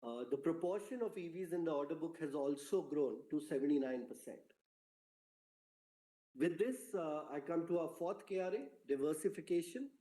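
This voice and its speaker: A man with a fairly high, mellow voice delivers a prepared corporate presentation in a roomy, echoing space. His tone is soft-edged and relaxed, and his delivery is measured and formal, like an executive briefing investors on a conference call. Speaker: company executive.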